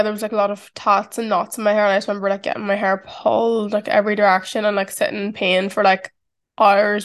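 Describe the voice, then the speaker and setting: A woman in her twenties with a strong Irish accent, talking through a casual, reflective solo podcast and saying "like" often. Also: mid-range voice. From Ireland. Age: 20s. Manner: chatty, reflective, heavy use of "like". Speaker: podcast host.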